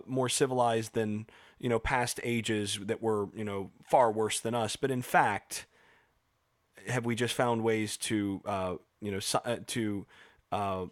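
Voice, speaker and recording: A man's voice: fairly low pitch, no echo, clean studio sound. A man discussing a book on a podcast, thinking aloud with frequent fillers and restarts. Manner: thoughtful, many fillers and restarts. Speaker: podcast guest.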